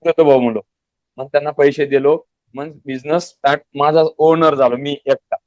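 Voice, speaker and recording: Man, earnest storyteller, slightly high voice, dry dull lo-fi sound. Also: steady tone, normal speed, dry recording. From Maharashtra, India. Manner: earnest, plain-spoken, with many restarts and repetitions. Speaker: guest business owner. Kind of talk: casual storytelling interview. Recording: dull lo-fi audio.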